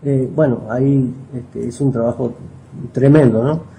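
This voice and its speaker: A man's voice: medium pitch, steady tone, a little slow, gravelly, dark tone, low-quality recording. A middle-aged man with a Rioplatense Spanish accent answering interview questions conversationally, explaining and often checking with short tag questions. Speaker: interview guest, writer and copy editor.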